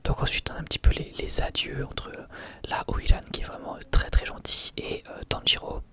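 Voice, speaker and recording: A man speaks in a soft, breathy whisper, as in an ASMR video. His delivery is informal and halting, as he often searches for the next phrase and corrects himself. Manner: hesitant, halting phrasing with frequent self-corrections. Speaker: ASMR video host reviewing anime. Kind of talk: whispered ASMR review, unscripted.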